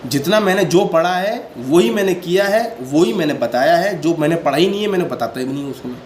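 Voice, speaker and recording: A man with a slightly high voice gives a casual devotional talk, earnest and a little defensive as he explains himself at length. He keeps checking in with his listeners as he goes. His phone picks him up in a roomy, echoing space with a faint hiss of noise behind him. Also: animated, brisk. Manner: often repeats "ठीक है" to check in with listeners. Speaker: devotional channel host. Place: sitting indoors. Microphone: handheld phone without stand. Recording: echoey room with faint background noise.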